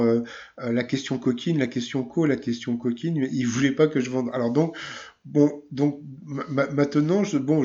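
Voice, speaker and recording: A man's voice: mid-range voice, mellow, lo-fi sound. A man giving casual commentary on a TV quiz show, rambling and hesitant with many fillers and a teasing tone.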